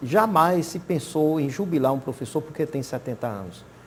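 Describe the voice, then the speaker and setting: Speaking with ordinary pitch variation at a moderate pace, a man has a plain, everyday voice. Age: 60s. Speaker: university professor and rector candidate. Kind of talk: TV interview. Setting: TV studio.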